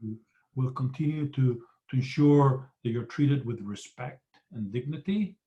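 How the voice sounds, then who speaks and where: A man's somewhat breathy, medium-pitched voice keeps its intonation fairly even. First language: Spanish. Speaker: public agency director, guest speaker. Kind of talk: graduation speech. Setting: video call.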